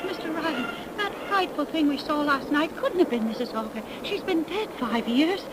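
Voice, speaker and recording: A woman's voice: high-pitched, animated, moderate pace. A woman playing an earnest, frightened young heiress, breathless and melodramatic, in 1930s radio acting style. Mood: shaken. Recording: noisy 1930s radio broadcast recording.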